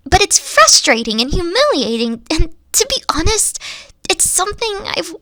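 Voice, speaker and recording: A woman voicing a gentle, insecure young three-tailed kitsune girlfriend in an ASMR roleplay, speaking softly with frequent whispers and sighs. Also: very high-pitched, sing-song, normal speed, no echo, full character voice. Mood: hurt, frustrated. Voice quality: soft, whispery, sighing. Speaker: team lead.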